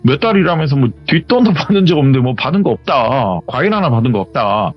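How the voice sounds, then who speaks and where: A man's voice: medium pitch, very animated, quick pace. A man voicing a young woman restaurant worker who protests defensively. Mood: indignant. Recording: slightly dull audio with faint music.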